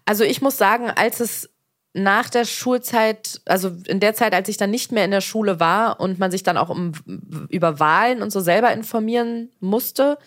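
A woman's voice: medium pitch, normal speed, fairly bright tone. Chatty woman, reflective podcast guest. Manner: chatty, reflective, laughs easily. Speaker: podcast guest, presenter and comedian. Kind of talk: casual interview talk.

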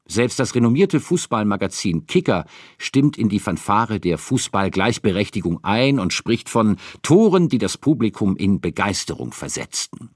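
A man's voice: on the low side, dry recording, clean studio sound. A man reading scripted documentary narration.

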